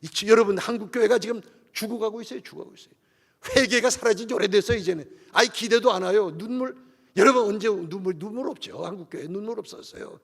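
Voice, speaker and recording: Male pastor, high gravelly voice, impassioned sermon, long church reverb. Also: fast talker. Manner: impassioned preaching, swings from loud cries to hushed lines. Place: church sanctuary.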